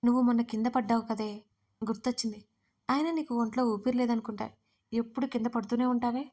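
A woman's voice: on the high side, steady tone, fast, a little mellow, close to an everyday voice. A woman voicing a playful young man who teases his sweetheart in an audio story. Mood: teasing. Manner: teasing, bantering.

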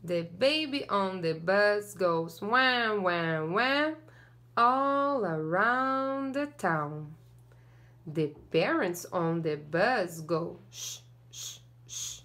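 A woman's voice: medium pitch, expressive, drawn-out words, a bit bright. A young woman teacher reading a picture book aloud to children and singing along, cheerful and sing-song, recorded in front of a camera in a small classroom corner.

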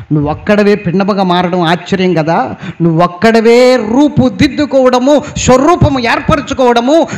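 High-pitched preaching man, emphatic refrains. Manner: repetitive, rising preaching cadence with emphatic refrains. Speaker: pastor. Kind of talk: sermon.

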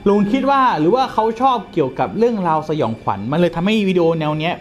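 Lively, fast-talking male host. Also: high-pitched, soft background music. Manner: playful, interjecting, colloquial. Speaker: host interviewing a guest. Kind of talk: casual chat, asking questions.

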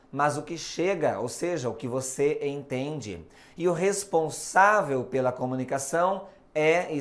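Slow, deliberate Brazilian man teaching. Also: medium pitch. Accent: Brazilian Portuguese. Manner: slow, deliberate explanatory delivery with emphasis. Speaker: hypnosis and NLP teacher. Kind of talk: recorded video lesson.

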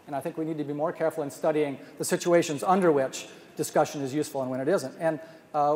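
An older man presents research at a podium microphone in a large hotel ballroom, earnestly thinking aloud with many restarts. His voice is fairly high and a little mellow, carried by long hall reverb with faint noise.

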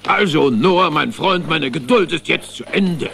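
Casting: a blustering, fond boss-like God for a children's film, highish pitch, animated delivery. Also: male voice, measured pace, gravelly, full character voice. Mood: exasperated. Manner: pompous, blustering, old-fashioned turns of phrase. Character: God as impatient, scolding yet fond boss.

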